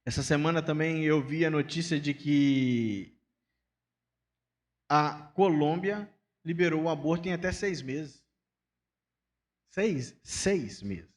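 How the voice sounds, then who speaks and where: A male pastor with a Brazilian Portuguese accent delivers a conversational sermon with a fairly high voice. He acts out little everyday exchanges as he preaches. His voice rings with the long reverb of a church hall. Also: measured pace. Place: church sanctuary.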